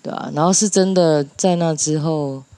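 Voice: medium pitch, mellow, clear, resonant tone, dry recording. Taiwanese-accented Mandarin speaker in a dry room. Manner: halting, mixes in English words. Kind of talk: casual reflective chat.

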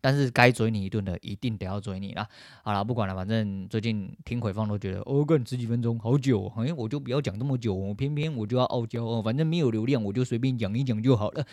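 A man with a Taiwanese Mandarin accent hosts a solo podcast, ranting angrily and swearing often. He talks quickly at a mid pitch. His voice sounds dry and close to the mic. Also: a little mellow, no room sound. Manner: angry, profane ranting. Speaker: podcast host.

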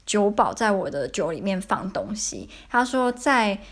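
A woman's voice: mid-range voice, big pitch swings, unhurried. A young woman with a Taiwanese Mandarin accent, telling a personal story in a casual, chatty podcast style, full of fillers and repeats. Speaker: podcast host.

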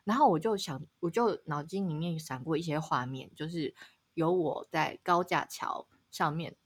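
A woman, a podcast co-host telling a story in casual chat, laughing often and leaping up in pitch at dramatic moments. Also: normal speed, slightly rough.

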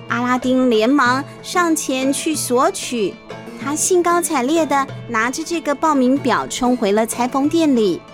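A woman narrating a children's storybook in a chatty way, stopping to explain things. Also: sits high. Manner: chatty, explanatory asides with sentence-final particles. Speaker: storyteller, host. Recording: faint music behind the voice.

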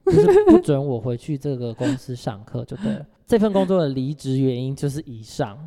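A man co-hosting a casual podcast, telling a workplace story in an animated way and acting out the people in it. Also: mid-range voice, a little fast, creaky, in a large hall. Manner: animated storytelling, acts out quoted boss with loud outbursts. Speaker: podcast co-host.

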